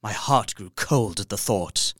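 An actor playing a proper, apprehensive young Victorian gentleman narrating his journal in an audio drama, measured and formal. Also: lowish voice, no room sound, studio quality. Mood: grave, uneasy.

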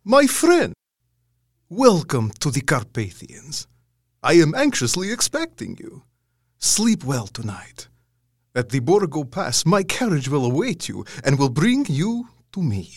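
A menacing vampire nobleman in an audio drama. He is formally gracious and theatrical, with a slow delivery, a fairly high voice and huge swoops of pitch. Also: wildly swooping pitch, dry recording, studio quality, exaggerated voice. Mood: gracious, sinister.

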